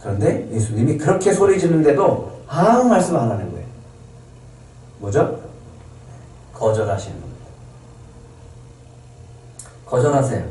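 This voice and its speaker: A man's voice: medium pitch, big pitch swings, moderate pace, pauses often, dark tone. A male pastor preaching a sermon in a church, emphatic and full of rhetorical questions to the congregation. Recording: echoey hall from far off.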